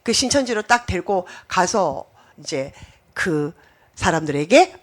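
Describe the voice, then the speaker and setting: A woman's voice: lowish voice, measured pace. A middle-aged woman pastor preaching a sermon, acting out quoted voices as she goes. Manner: animated, acts out quoted voices.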